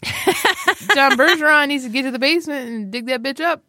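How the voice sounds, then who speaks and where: A woman's voice: sits high, normal speed, pushed and bright, a little hiss or hum. A woman co-hosting a podcast, joking crudely and bubbly in casual banter. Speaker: podcast co-host.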